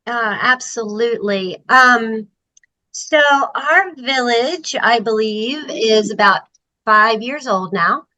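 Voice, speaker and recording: A woman's voice: on the high side, slow, bright, forceful tone. A woman from Maryland, a podcast guest on a video call, talking in an enthusiastic, chatty way with fillers. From Maryland, USA. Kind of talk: casual interview chat. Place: video call from Costa Rica.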